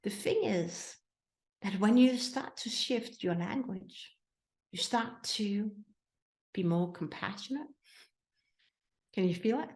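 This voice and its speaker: This Danish woman, with a Danish accent, speaks slowly and expressively at medium pitch, with a darkish tone and long pauses, in an echoey room. She hosts as a mindset coach, giving a motivational talk full of questions for her listeners.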